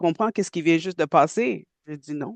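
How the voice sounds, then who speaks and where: An English accent, dry and close with no echo, over a quiet background. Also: woman. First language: English (speaking French). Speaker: background actor. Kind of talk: casual anecdote in an online chat. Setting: video call. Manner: halting, many hesitations.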